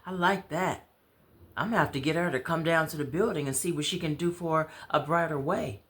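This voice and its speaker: A woman's voice: low voice, fairly quick, fairly bright tone, voice pushed up. A woman voicing an easygoing, sociable businessman in casual, colloquial storybook dialogue. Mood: upbeat, friendly. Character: easygoing male friend, sociable businessman with teaching dreams.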